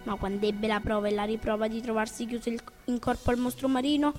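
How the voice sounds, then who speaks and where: A woman's voice: fairly high pitch, level tone, fast talker, darkish tone. Woman narrating a storybook over music. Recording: background music under the reading.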